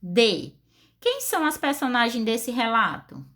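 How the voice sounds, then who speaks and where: A woman teacher with a Brazilian Portuguese accent, giving a recorded class lesson and asking her pupils questions. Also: on the high side. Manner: slow, deliberate, expressive with questions to pupils.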